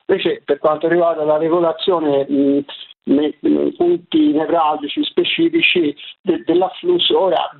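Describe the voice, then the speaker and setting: A man's voice: on the high side, lively intonation, creaky. Tuscan man calling in over the phone. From Tuscany, Italy. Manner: halting, many restarts. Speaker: caller. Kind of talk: call-in radio chat. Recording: tinny phone line.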